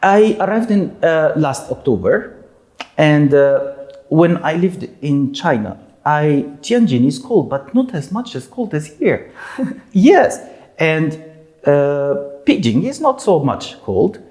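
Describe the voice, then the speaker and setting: Man with a lively, hesitant voice. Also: on the high side, slow pace. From Egypt. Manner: hesitant, many fillers, frequent laughs. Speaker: interviewee. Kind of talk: casual interview in second language.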